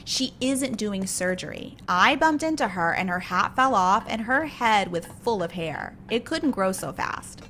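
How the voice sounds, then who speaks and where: A woman's voice: mid-range voice, animated, a little slow, hardly any pauses, pushed and bright, slight background noise. A woman voicing a young man who warns his friend in a scripted story, with music behind. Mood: urgent.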